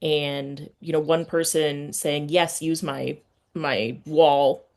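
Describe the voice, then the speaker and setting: Low-pitched woman in thoughtful conversation. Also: steady tone, takes it slowly, a little mellow. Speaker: interviewer and host. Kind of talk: casual conversational interview.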